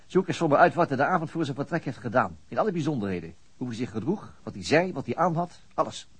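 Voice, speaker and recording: A weary, dogged police detective in a radio play. His voice is husky and his speech is quick, broken by small hesitations. His pitch sits in the middle. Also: animated. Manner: hesitant, with frequent stops. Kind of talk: radio drama acting.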